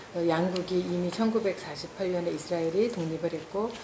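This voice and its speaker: Fairly slow, fairly even-toned woman's voice over light background noise. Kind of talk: consecutive interpretation. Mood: polite formal. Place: meeting room. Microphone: camera far.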